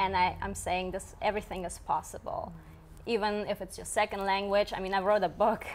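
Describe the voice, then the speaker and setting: A woman with a Russian accent speaks at medium pitch with fairly even intonation. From Russia and Germany. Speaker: fashion blogger and store owner. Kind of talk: interview.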